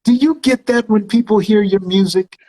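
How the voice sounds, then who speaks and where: A man's voice: sits high, moderate pace, mellow. A man hosting a music interview show, effusive and conversational, repeating phrases for emphasis and speaking straight to his listeners.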